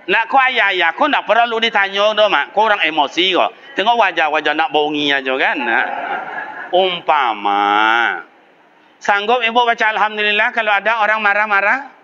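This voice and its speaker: A man preaching a lively, humorous sermon in a village mosque, speaking, acting out the voices in his stories and putting questions to the congregation. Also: sits high, brisk, few pauses, slight background noise. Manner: animated storytelling, acts out voices, quizzes the congregation. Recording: dull lo-fi sermon recording with faint ambience.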